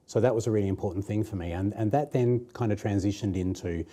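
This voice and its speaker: A man's voice: lowish voice, fast, mellow. A man with an Australian accent, a singer being interviewed, friendly and thoughtful with many ums. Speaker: opera singer guest. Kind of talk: casual interview chat.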